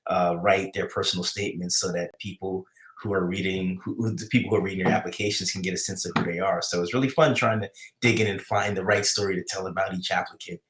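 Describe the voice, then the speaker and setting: Recorded in an echoey room, a New York-accented man answers chat on his live writing stream, rambling casually and restarting often. He speaks at a quick pace in a low-pitched, a bit bright voice with fairly even intonation.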